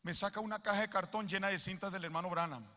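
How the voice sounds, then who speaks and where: A man preaching a sermon at a youth gathering, impassioned and building to shouted peaks. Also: sits high, fairly even intonation, fast. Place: large hall at a youth gathering. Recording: long hall reverb.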